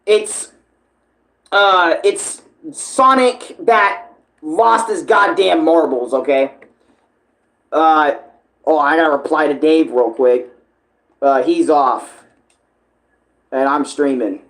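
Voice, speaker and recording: An American streamer giving casual, rambling fan commentary in an emphatic, conversational way, with slang and swearing; the voice sits at a pitch between typical male and female ranges. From United States (Phoenix). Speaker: streamer and video creator.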